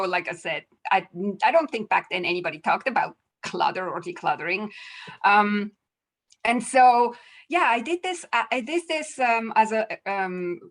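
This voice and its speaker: Swiss woman, chatty clutter coach, high voice. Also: a bit bright. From Switzerland. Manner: chatty, laughs often, many restarts. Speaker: clutter clearing coach, guest. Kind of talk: casual interview talk.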